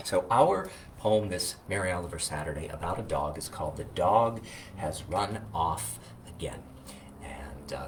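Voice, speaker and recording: A man with a low-pitched voice talks in the reflective, unhurried-sounding manner of a minister sharing poetry. He pauses and hesitates as he goes. The mic is some distance away, with clear noise behind him. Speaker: Unitarian Universalist minister. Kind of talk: informal video talk with poetry reading.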